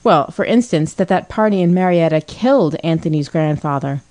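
Brief: a narrator doing a meddling gossipy flapper girl, lifted pitch, mellow underneath. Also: expressive, moderate pace. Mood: prying. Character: chatty gossiping young woman, brash and meddling.

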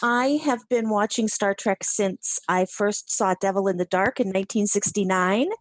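A woman's voice: mid-range voice, moderate pace, no echo. Chatty woman in her fifties. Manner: chatty and friendly. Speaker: podcast guest. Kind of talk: casual podcast chat.

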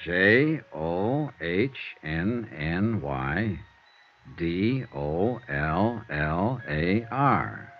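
1950s radio private eye, lowish voice that rises and falls a lot, dry businesslike delivery, dull old broadcast with hiss. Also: male voice, sing-song, extremely slow, full character voice. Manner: dry, matter-of-fact, businesslike. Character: tough, wry male insurance investigator. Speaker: insurance investigator lead. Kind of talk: 1950s radio drama acting and narration.

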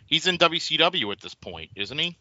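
A man co-hosting a podcast, jokey and quick with asides, in casual chat. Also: fairly high pitch, big pitch swings, pushed and bright, no echo, highs cut off. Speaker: podcast co-host. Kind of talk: casual chat about wrestling.

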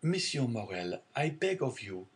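A man's voice: mid-range voice, sing-song, unhurried. A man voicing a sly, jealous male ship's officer who insinuates. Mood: insinuating.

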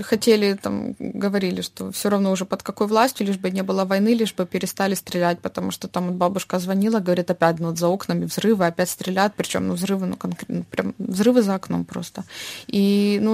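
A woman in her thirties from Ukraine answers interview questions in a reflective way, with many pauses and fillers. Her voice has a lot of vocal fry. The recording is dry and close, with almost no room sound. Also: medium pitch, darkish tone, no echo. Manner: thoughtful, pauses often with fillers.

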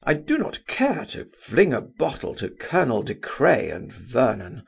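A man voicing a proud, courtly gentleman suitor with formal manners in an audiobook novel. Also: mid-range voice, wildly swooping pitch, unhurried, vocal fry, breathy edge, exaggerated voice. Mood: aggrieved.

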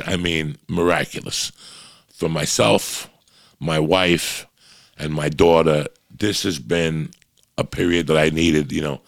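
A man's voice: a bass voice, fairly bright tone. A man with a New Jersey accent hosting a podcast, telling a rambling, profane story in casual chat. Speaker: podcast host.

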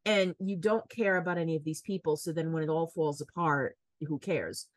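Chatty woman with a lowish voice. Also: moderate pace, dry recording. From United States. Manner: animated, talkative, acts out quotes. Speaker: podcast co-host. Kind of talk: casual film discussion.

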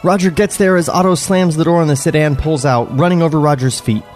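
A man's voice: fairly high pitch, quick pace, a little mellow, faint music behind. A man co-hosting a comedy podcast, reading out screenplay stage directions and wryly questioning the plot. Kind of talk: casual comedic chat and script narration.

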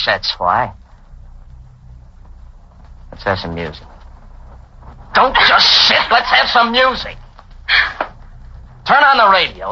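An actor playing a hard-drinking, mocking private detective in a 1940s radio drama, recorded on a dull old broadcast. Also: male voice, on the low side, bright, forceful tone. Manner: mocking, swings from drawling to tense. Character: hard-drinking sardonic male snoop, menacing.

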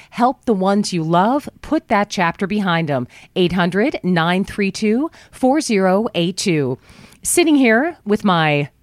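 A woman hosting a talk radio show from a studio, chatting in a folksy, upbeat way, her voice worn low after travel. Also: dry recording. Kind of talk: talk radio monologue with live ad reads. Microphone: studio microphone.

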